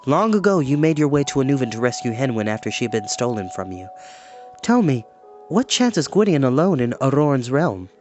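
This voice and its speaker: A man voicing an earnest, troubled young man in a storybook, sober, reflective and measured. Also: medium pitch, big pitch swings, faint music behind, lightly acted. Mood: worried. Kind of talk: storybook character voice.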